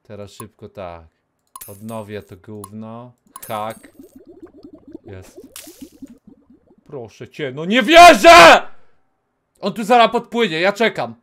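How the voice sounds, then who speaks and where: A man in his thirties streaming a game from a small room on a headset mic, talking casually, cursing and yelling at the game, sometimes dropping to a whisper. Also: sits high, slow, pauses often. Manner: excitable, swears, yells at the game, then drops to a whisper. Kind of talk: casual live gameplay commentary.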